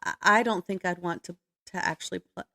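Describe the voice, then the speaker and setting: A woman's voice: on the low side, brisk, creaky, sharp tone, no room sound, clean studio sound. A woman talking casually and conversationally as a podcast co-host. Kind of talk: casual chat.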